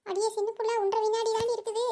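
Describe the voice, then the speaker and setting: A woman's voice: extremely high pitch, flat delivery, very fast, warm tone. A woman voicing a fretful young village wife, in a cartoon. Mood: frightened. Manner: anxious, exclaims often.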